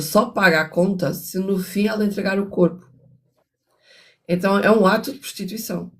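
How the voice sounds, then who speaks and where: Reading and picking apart a book, an older female host speaks in a fairly low register with a somewhat dark tone. The discussion is reflective and wandering; she frequently starts over and pauses to moralize.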